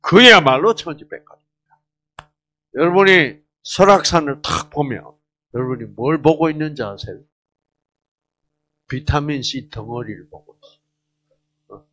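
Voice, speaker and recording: A man's voice: fairly high pitch, lively intonation, measured pace, long pauses, pushed and bright, a little hiss or hum. A man giving a health lecture to a live audience, quizzing the listeners with questions and jokingly slipping into regional dialects.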